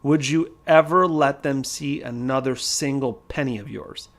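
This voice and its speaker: A man's voice: medium pitch, fairly even intonation, a little slow, a bit bright. A man in the middle of his vocal range who talks straight and hard, like a friend who won't sugarcoat anything. He teaches on a loose, casual stream and drives each point home through repetition. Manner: blunt, emphatic, repeats key points. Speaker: trading educator.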